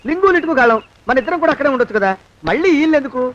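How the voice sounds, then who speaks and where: Brief: put-upon clerk griping under his breath; very high, fast, dull old film sound. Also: animated, a bit bright, a little hiss or hum. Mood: grumbling. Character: grumbling male clerk forced into chores. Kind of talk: film comedy dialogue.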